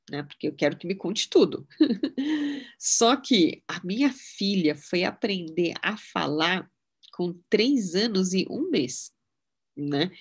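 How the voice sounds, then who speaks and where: A middle-aged woman teaching in a loose, conversational way. Her voice sits fairly low, and she keeps tagging her sentences with little questions as she mixes personal stories into the lesson. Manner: chatty, relaxed, often adds "né?" tags. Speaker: mind-mapping instructor. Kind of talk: casual teaching talk with personal anecdotes.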